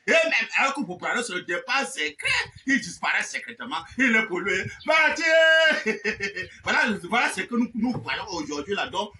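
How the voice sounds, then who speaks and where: High-pitched shouting preacher, far from mic. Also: male voice. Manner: shouting, repetitive, laughing outbursts. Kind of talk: fiery sermon.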